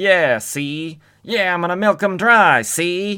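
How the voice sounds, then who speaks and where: A man puts on a gruff character voice, high in pitch. He speaks at a fairly slow pace. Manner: tough, gruff gangster delivery with exaggerated intonation.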